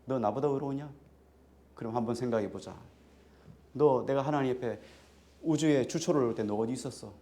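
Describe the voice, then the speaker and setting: A male pastor voicing God as a stern, mighty male voice that rebukes slowly and emphatically. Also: mid-range voice, lightly acted. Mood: rebuking. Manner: slow, emphatic, loud rebukes.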